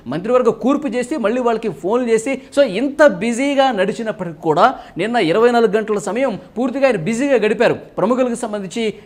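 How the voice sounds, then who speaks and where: A man giving live news reporting and political analysis, repeating points and often starting phrases with "so". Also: very high voice.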